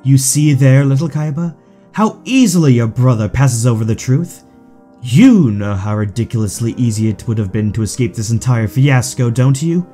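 Man playing a smug, mellow, swooping villain. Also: medium pitch, expressive, normal speed, soft background music, close to an everyday voice. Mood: gloating, sweetly cruel. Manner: mocking, drawling, condescending. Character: smug, taunting aristocratic male villain, smooth and theatrical. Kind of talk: audio drama acting.

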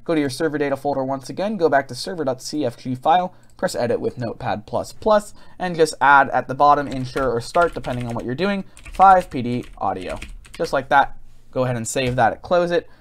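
Guy doing a quick casual computer tutorial voiceover, talks fast. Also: mid-range voice, animated. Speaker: tutorial host. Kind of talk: casual screen-recorded software tutorial. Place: indoors at a computer, voice-over.

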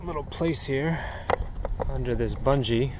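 Speaking a little slowly at medium pitch, a man casually shows his kayak gear outdoors on the water, relaxed and rambling with plenty of "uh" fillers. The sound, from an action camera on the kayak, is noisy with wind and water.

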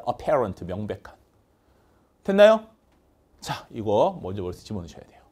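A man teaching English vocabulary in a lively lecture, chanting word lists over and over and acting out little skits. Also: medium pitch.

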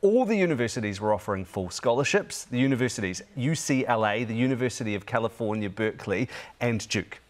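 A man's voice: mid-range voice, animated, quick pace. A man in his thirties presenting breakfast television from a studio, upbeat and chatty, on a lapel mic. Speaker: TV news presenter. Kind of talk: breakfast TV interview.

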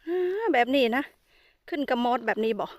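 Woman, Isan Thai accent, high voice, dry close sound, chatty and exclaiming, outdoor vlog. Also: animated, brisk, no echo. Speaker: vlogger. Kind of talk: casual vlog narration. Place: outdoors in a forest.

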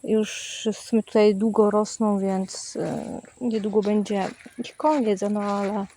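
A woman chatting casually as she films a walk outdoors, talking to viewers and cooing loudly to her dog. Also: medium pitch, slight background noise. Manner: coos in a loud sing-song baby voice to her dog; calm, unhurried chatty commentary. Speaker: vlogger. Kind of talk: casual walking vlog. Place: outdoors in the countryside and a garden plot.

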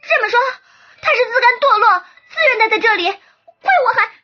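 A woman voicing an arrogant young noblewoman disguised as a boy, shouting haughtily. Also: extremely high pitch, expressive, normal speed, highs cut off, pitched above the performer's own voice. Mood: angry.

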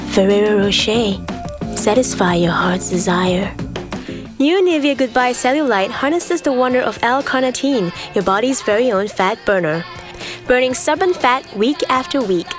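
A woman's voice: medium pitch, expressive, normal speed, over music. A woman doing polished scripted commercial voice-over as an actress.

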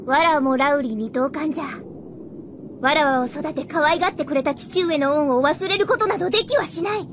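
A woman's voice: sits high, fairly quick, background noise, close to an everyday voice. A woman playing a proud young princess with haughty, archaic royal diction in a Japanese fantasy radio drama. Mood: proud, defiant. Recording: studio drama with music behind.

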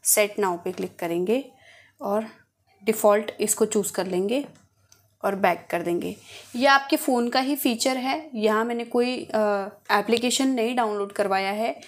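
A woman's voice: medium pitch, measured pace. A woman hosting a tutorial, talking viewers through steps in a casual, instructional way. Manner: addresses viewers directly, instructional. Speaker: host of phone tutorial videos. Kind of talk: casual step-by-step tutorial narration.

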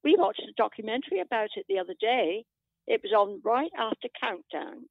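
A woman acts an older British wife in a radio play, gossiping and nagging her husband. Her voice is creaky and very lively in pitch. It comes down a tinny, muffled phone line. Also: a little fast, dry recording. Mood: chatty. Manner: rambling, gossipy, tag questions. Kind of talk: radio drama monologue.

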